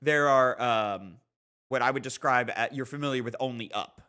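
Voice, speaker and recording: A man co-hosting a gaming podcast, chatting casually and telling things in an animated way. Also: medium pitch, normal speed, smooth. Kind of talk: casual chat.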